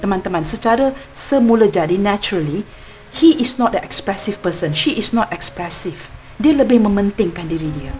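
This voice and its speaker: Young Malaysian woman, Malaysian Malay accent, mid-pitched, earnest tarot reader addressing her audience, faint music underneath. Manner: earnest and apologetic, addresses viewers warmly as friends. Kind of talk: tarot reading monologue to viewers.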